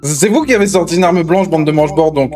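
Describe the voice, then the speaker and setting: A man's voice: fairly high pitch, quick pace, over music. A man improvising a hot-headed gang brawler in a gaming roleplay, confrontational and full of swearing. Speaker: GTA roleplay gamer and streamer.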